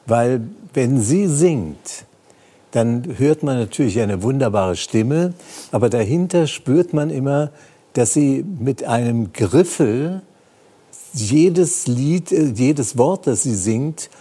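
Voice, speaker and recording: Male talk-show guest, dark husky voice, hesitant delivery. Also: mid-range voice, animated. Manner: halting, searching for words.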